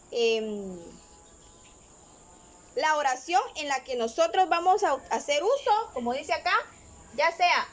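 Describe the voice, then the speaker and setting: Slow, patient high-voiced woman teacher. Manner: patient, explains step by step, checks in with frequent tags; frequent filler pauses. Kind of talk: recorded grammar lesson.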